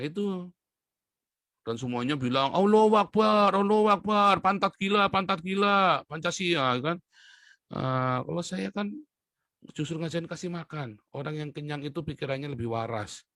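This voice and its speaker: A man delivering a heated solo monologue. His voice leaps up sharply on stressed points, then drops to low, quiet asides. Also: dry recording, studio quality. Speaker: online commentator.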